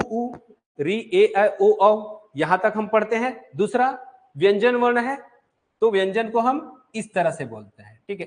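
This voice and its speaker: A man teaching an online exam-prep class, explaining step by step, asking questions and answering them himself, with mixed into his talk. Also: sits high.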